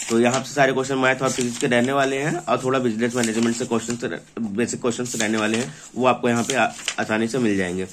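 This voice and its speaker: A man with a mid-pitched voice presents a book in an informal walkthrough. He explains step by step, repeating phrases and listing items as he goes. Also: slight background noise. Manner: repetitive, explanatory, reading out lists. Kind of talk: informal product walkthrough of an exam prep book.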